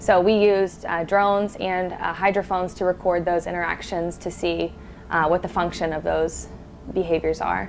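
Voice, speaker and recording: A woman with an Oklahoma accent speaks in a fairly low, monotone voice with flat intonation at a moderate pace. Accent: American, Oklahoma. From Oklahoma, US. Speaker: marine biology researcher. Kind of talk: interview explanation. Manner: casual with many fillers.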